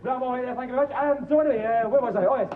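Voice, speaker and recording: Sardonic Scottish comedian, very high voice. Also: male voice, racing. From Scotland. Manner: sardonic, stammering, mock-dramatic. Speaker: stand-up comedian. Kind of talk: abrasive stand-up routine. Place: studio stage before a live audience. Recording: tinny lo-fi TV recording with audience.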